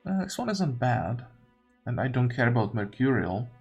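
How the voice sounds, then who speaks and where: Male gamer, casual commentary, musing and deliberative, slightly rough-edged voice, faint music underneath. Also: medium pitch, big pitch swings, moderate pace, a little mellow. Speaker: gamer narrating own playthrough. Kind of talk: casual gameplay commentary, thinking aloud. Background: game music.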